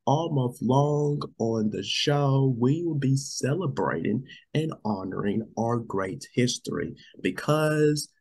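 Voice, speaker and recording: A man's voice: mid-range voice, lively intonation, slow pace, hardly any pauses, a little mellow. A man co-hosting a casual show, sick and losing his voice, rambling and saying "you guys" a lot. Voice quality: gravelly, husky. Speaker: podcast co-host.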